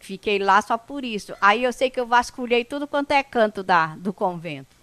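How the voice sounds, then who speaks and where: A woman from the São Paulo coast whose first language is a Brazilian indigenous language, telling her life story to an audience in an unhurried, conversational way. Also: on the high side, fairly bright tone, no echo. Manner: unhurried, conversational, with frequent "né?" tags and restarts. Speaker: indigenous speaker at an event.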